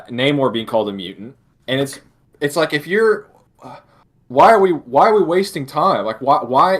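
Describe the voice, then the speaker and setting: Man, mid-pitched voice, casual opinionated podcast talk, exasperated delivery, circles back over his points. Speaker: podcast co-host. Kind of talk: casual opinionated pop-culture discussion.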